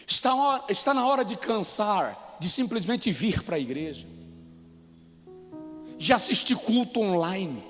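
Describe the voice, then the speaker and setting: A Brazilian pastor with a Brazilian Portuguese accent delivers an impassioned sermon. His voice sits very high for a man and moves between quiet appeals and sudden shouts. The hall rings with a long reverb, and soft music plays underneath. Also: big pitch swings, unhurried. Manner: impassioned preaching that swings from hushed to shouted. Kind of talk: sermon with personal stories.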